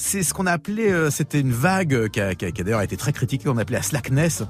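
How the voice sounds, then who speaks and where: There is noticeable background noise behind a man who talks very fast. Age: 50s. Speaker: radio host. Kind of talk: radio interview.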